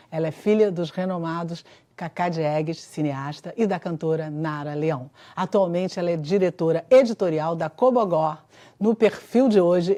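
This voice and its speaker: A woman's voice: fairly low pitch, mellow. A woman hosting a TV interview in a studio, reading an introduction and then chatting with frequent tag questions. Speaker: TV interview host. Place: television studio.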